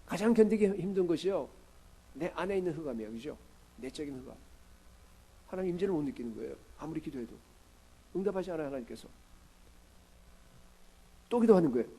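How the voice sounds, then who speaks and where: A male pastor giving a conversational sermon, often asking the congregation questions and moving between loud and quiet. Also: on the high side, animated, quick pace, long pauses, breathy edge, low-quality recording. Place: church sanctuary.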